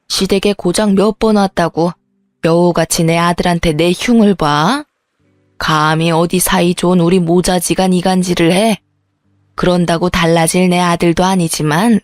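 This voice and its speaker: A woman voicing a bossy, scolding older mother-in-law in a radio-style story reading, with a sharp, belittling manner. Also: fairly low pitch, measured pace, no echo, studio quality, pitched below the performer's own voice, lightly acted.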